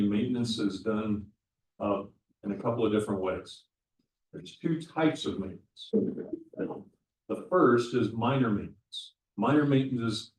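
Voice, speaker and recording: A man's voice: fairly low pitch, darkish tone. A man speaking as a county official at a community meeting, explaining things step by step with frequent restarts. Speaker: county public works official presenting. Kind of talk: public meeting presentation. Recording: echoey room, voice from far off the mic.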